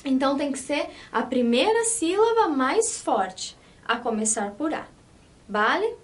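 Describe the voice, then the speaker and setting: A woman's voice: high voice, sing-song, measured pace. A woman teaching a language lesson, explaining patiently step by step, switching between two languages and checking that students follow. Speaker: Spanish teacher.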